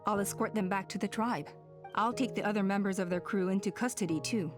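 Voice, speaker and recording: An actress playing a composed, cautious female tribal elder in a video game, measured and authoritative. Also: medium pitch, over music, close to an everyday voice. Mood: composed, decisive. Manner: measured, explanatory. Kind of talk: game voice acting.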